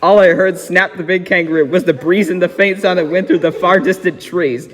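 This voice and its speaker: High-pitched male voice, dramatic storybook reader, giggly, long room reverb. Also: a little fast. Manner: giggly, animated rhyming read-aloud. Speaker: reader of a children's picture book. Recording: echoey reverberant room sound.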